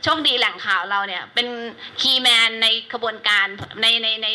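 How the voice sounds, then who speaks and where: A woman's voice: on the high side, a little fast, sharp tone, rough recording. A middle-aged woman reporter, chatting in an interview and animatedly telling stories, acting out the exchanges she quotes. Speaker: news reporter. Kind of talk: casual interview talk.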